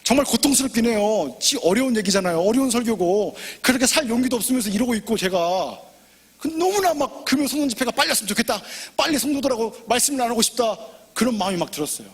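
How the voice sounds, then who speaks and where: A man preaching a sermon as pastor, impassioned and personal, swinging from loud pleading to hushed near-whispers. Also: very high-pitched, lively intonation, fast talker, husky, in a large hall. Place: church sanctuary.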